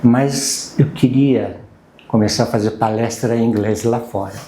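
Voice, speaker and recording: A man in his sixties from Brazil whose mother tongue is Japanese, with a mid-pitched voice. He speaks conversationally and haltingly as a guest, searching for his words. The recording is roomy and echoing. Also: warm tone, a little hiss or hum. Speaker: guest, university lecturer and language student. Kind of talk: casual conversational interview.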